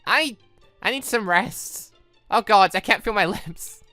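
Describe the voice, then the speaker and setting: A woman voicing a flustered, exhausted teenage girl in a dating game, halting, breathless and whiny. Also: medium pitch, bright, forceful tone, no room sound, soft background music. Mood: flustered, worn out.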